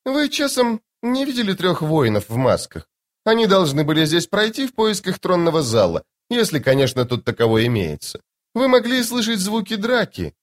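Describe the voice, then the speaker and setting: A woman's voice: on the low side, very animated, moderate pace, voice pushed up. A man voicing a vain, cheerful woman in white who chatters sweetly and admires herself, in an audiobook. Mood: curious. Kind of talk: audiobook character voice.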